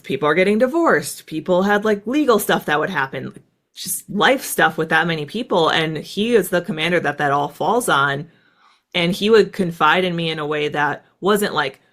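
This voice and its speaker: A woman in her thirties from the United States, a guest in an interview, telling stories in a quick, animated way with plenty of "like" fillers. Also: deep voice. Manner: fast, animated, lots of "like" fillers. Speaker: guest, former fighter pilot. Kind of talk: casual storytelling interview.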